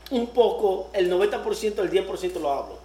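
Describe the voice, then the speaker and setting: A woman's voice: medium pitch, lively intonation, fairly quick, mellow. A woman born in the United States hosting a casual interview, often repeating words and laughing easily. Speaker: podcast host. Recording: echoey room with faint noise.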